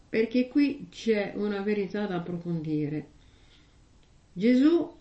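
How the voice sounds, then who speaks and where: A woman preaches to a congregation, first reading scripture in slow, weighty phrases, then talking it through plainly with questions to her listeners. Her voice sits at a middling pitch. She sounds far from the mic in a roomy church, and the recording is muffled and lo-fi. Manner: slow, measured reading with heavy pauses; conversational preaching with rhetorical questions. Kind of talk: gospel reading and sermon. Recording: echoey, distant, dull lo-fi sound.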